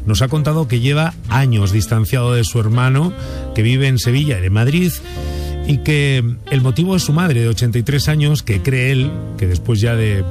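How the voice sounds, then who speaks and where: A male radio host talks at a middle pitch, retelling a listener's situation and asking the audience what they would do. He keeps a relaxed, conversational tone. Guitar music plays clearly beneath his voice. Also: normal speed. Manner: conversational, posing questions to listeners. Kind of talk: late-night radio hosting.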